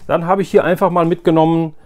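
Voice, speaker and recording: A man's voice: a little high, flat delivery, fast talker, darkish tone. A man talking casually and informally to his viewers as the host of a haul vlog, chatty and direct. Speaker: YouTube host, flea market collector.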